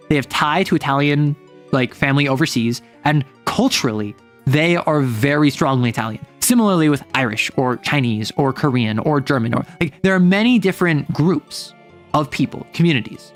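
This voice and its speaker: An American man, a young adult, chatting casually on a livestream in a rambling, self-interrupting, wry way. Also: mid-range voice. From United States. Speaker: streamer.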